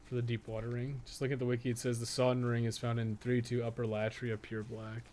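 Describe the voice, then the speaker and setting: A man's voice: medium pitch, completely flat delivery, fast talker, darkish tone, slight background noise. A man giving casual, off-the-cuff video game commentary, rambling and thinking aloud with mild swearing. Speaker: podcast co-host playing a video game.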